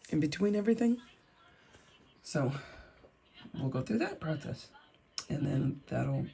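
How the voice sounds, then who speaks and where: A vlogger and mom entrepreneur talks to the camera in a casual home vlog, rambling and thinking aloud, her voice raspy and hoarse from a sore throat yet deep and mellow. She's filmed on a phone set on a tripod, with a kids' show faintly audible in the background.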